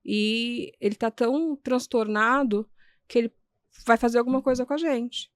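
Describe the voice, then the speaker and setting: A woman, a guest on an interview podcast, earnestly recounting events step by step, with frequent restarts and halting repetitions. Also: fairly high pitch, fairly even intonation, no room sound, studio quality. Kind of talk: personal storytelling in a podcast interview.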